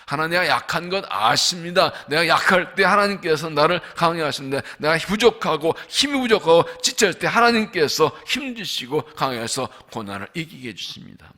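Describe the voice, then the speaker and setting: A man preaching as senior pastor at a dawn revival service in a church, emphatic, asking the congregation questions and slowly stressing scripture lines. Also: fairly high pitch, expressive, sharp tone. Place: church sanctuary.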